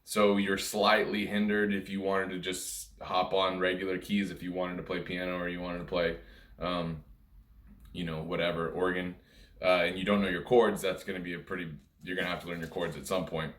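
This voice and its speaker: A man with a very deep speaking voice gives an informal lesson. He explains things step by step in plain, conversational language. The sound is noticeably roomy, with echo around his words. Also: little pitch movement, normal speed, a bit bright. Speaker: music teacher and video host. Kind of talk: informal instructional talk. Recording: roomy, echoey room sound.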